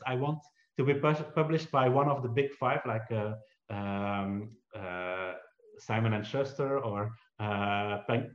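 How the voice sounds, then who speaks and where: In this slightly dull, roomy recording, a man from Belgium with Dutch roots, an entrepreneur and author, gives a conversational interview answer. His mid-range voice stumbles and restarts frequently, and he uses self-deprecating humor.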